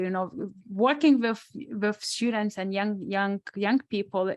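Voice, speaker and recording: A woman with a strong non-native accent, a sports psychologist answering questions on a webinar panel in a thoughtful, restarting way. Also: medium pitch. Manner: thoughtful, many restarts and asides.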